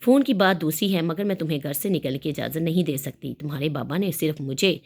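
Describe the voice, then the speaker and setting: A woman reading as a firm, composed mother. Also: deep voice. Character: middle-aged mother, firm but gentle.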